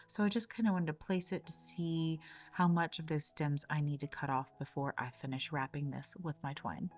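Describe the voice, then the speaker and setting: A woman with a lowish, slightly raspy voice, hoarse from a lingering cold, walks through a craft project step by step. She chats casually and repeats small words as she works. Faint music plays softly under her voice. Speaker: craft channel host. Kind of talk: casual craft tutorial narration.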